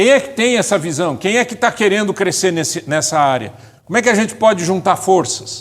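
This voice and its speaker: Speaking at a fairly quick pace, a man with a high pitch sounds animated, his intonation lively. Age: 60s. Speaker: pastor and coach. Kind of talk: sermon.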